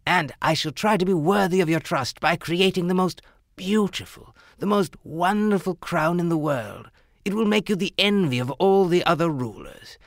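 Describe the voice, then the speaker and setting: A man voicing a fawning, eager-to-please male jeweler in a storybook tale, speaking in an obsequious, flattering way. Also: high voice, normal speed, dry recording, clean studio sound, pitched above the performer's own voice.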